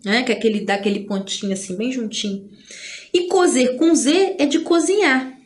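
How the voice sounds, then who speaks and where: A Brazilian Portuguese-speaking woman teaching an online grammar lesson in a chatty way, often tagging "né?" and drawing out example words. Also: on the high side. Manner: chatty, tags phrases with "né?"; drawls out example words slowly.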